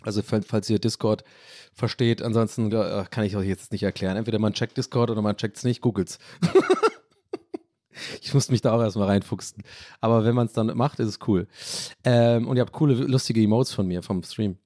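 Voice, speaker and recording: A man's voice: fairly low pitch, fairly even intonation, brisk, mellow, no echo, clean studio sound. Rambling, ranting male podcast host. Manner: rambling, ranting, swearing casually. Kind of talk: casual solo podcast chat.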